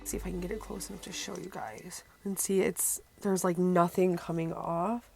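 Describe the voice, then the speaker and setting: A woman's voice: fairly low pitch, steady tone, moderate pace, gravelly, darkish tone, breathy edge, no echo, soft background music. A woman beauty vlogger chatting casually to viewers through a product review, her voice worn from being sick.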